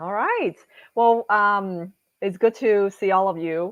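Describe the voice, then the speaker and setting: A woman at a medium pitch. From Vietnam, Chinese family; moved to US at twelve. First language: Cantonese. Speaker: financial professional. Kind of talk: podcast interview. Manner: some hesitation, stumbles.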